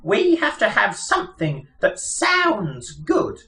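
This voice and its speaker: A man's voice: sits high, huge pitch swings, slow, pushed and bright, voice pushed up, exaggerated voice. A man voicing a small, scheming mouse in a storybook reading, piping, polite and coolly ruthless. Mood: earnest, persuasive. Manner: polite, wheedling, businesslike.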